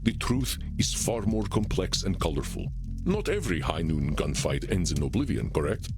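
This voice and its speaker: An ancient vampire mentor for a visual novel game, with a very low voice that swoops expressively. He is courtly, eloquent and teasing, choosing formal words with theatrical care, over clearly audible music. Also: sing-song, normal speed. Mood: amused, instructive.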